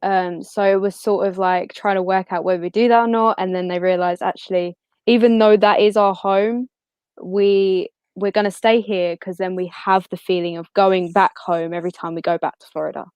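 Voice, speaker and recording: A woman's voice: mid-range voice, fairly even intonation, moderate pace, darkish tone, clear, resonant tone, dry recording. A young woman chatting casually as a guest, cheerful and informal. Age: young adult. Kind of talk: casual chat.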